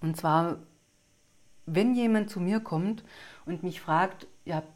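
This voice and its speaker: A woman's voice: lowish voice, slow pace, a little mellow. A woman psychologist and hypnotherapist giving an earnest talk, often asking herself questions and restarting her sentences. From rural Alpine region. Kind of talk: spoken talk to an audience.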